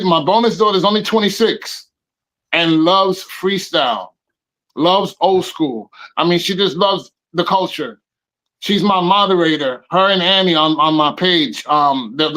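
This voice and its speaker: A man's voice: high voice, measured pace, fairly bright tone, rough recording. A man in his fifties chatting on a podcast, effusive and repeating phrases for emphasis. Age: 50s. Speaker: podcast guest DJ. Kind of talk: casual podcast chat.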